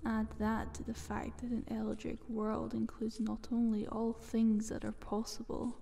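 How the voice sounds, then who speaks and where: A woman playing a calm, condescending, playfully ominous eldritch monster in a soft, breathy whispered ASMR roleplay, speaking slowly and coaxingly. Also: a little high, full character voice. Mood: teasing, aloof. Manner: slow, deliberate, coaxing.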